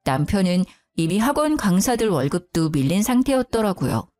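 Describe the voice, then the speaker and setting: A woman telling a first-person story in an expressive, animated way. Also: medium pitch, normal speed, faint music behind.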